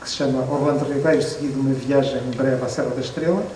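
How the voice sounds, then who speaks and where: A man's voice: medium pitch, steady tone, quick pace, dark tone. A Portuguese man in his fifties with a European Portuguese accent, telling anecdotes to an audience in a reflective way, with hesitant restarts and wry asides about himself. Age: 50s. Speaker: photographer and book author at a presentation. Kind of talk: relaxed anecdotal talk to an audience. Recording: echoey room, distant mic, faint noise.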